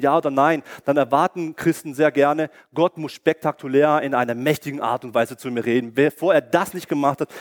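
Man preaching with fervor. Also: a little high. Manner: emphatic, rhetorical questions, bursts of excitement. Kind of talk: sermon.

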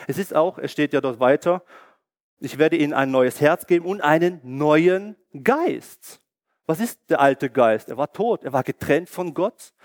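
Man preaching with fervor. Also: fairly high pitch. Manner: emphatic, rhetorical questions, bursts of excitement. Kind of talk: sermon.

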